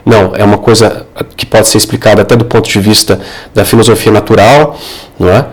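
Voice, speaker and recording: A man's voice: on the low side, steady tone, a little fast, slightly rough. Earnest Brazilian man giving religious advice. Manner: earnest, didactic, addressing the listener directly. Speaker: Catholic advice video creator. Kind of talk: informal religious advice monologue.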